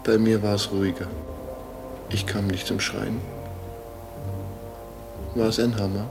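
A murdered man's ghost in a radio play. The voice is fairly low and takes its time. He is exquisitely polite and formal, yet mocking and insistent, treating the macabre with dry understatement. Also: level tone, measured pace, vocal fry, over music. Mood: wry, mocking. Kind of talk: German radio drama acting.

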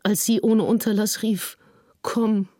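A woman playing a grieving nineteenth-century diarist in a solemn dramatic reading, with drawn-out phrasing. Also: mid-range voice, little pitch movement, mellow, close to an everyday voice. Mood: grieving, desolate. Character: grieving 19th-century woman writing in her diary. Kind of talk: dramatic reading of a historical diary.

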